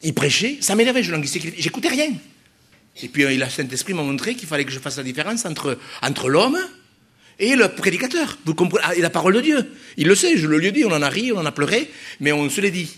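A pastor preaching to his congregation, emphatic and repetitive, swinging between loud exhortations and soft asides. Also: on the high side, sing-song, quick pace, husky. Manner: addresses the congregation directly, repeating phrases. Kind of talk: sermon.

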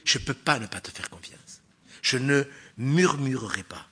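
A man delivering a sermon in a church with a husky, slightly rough voice at an ordinary pitch. He preaches emphatically, punching single words loudly and then dropping to quiet asides. He keeps turning to the congregation with rhetorical questions. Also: animated, unhurried. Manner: emphatic, swings from loud stresses to quiet asides.

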